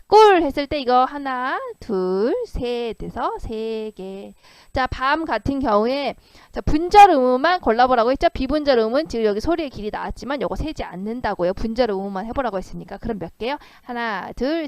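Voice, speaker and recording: A woman teacher explaining exercises in a lively way, often asking and answering her own questions. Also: a little high, no room sound. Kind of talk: grammar lesson explaining exercises.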